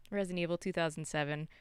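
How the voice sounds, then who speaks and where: Low-voiced, smooth woman chatting casually. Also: fairly even intonation, normal speed, no room sound. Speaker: podcast co-host. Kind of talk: casual chat about movies.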